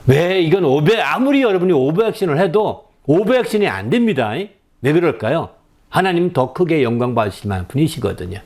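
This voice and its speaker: Male pastor, sermon, fairly high voice with a very lively, swinging pitch, keeps prompting the congregation.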